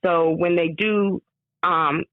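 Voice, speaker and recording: A woman author with a hoarse voice, talking casually in an interview and getting animated when she stresses a point. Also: slow, no echo. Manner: animated, rising pitch when emphatic. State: hoarse from screaming. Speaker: author guest. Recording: tinny phone line.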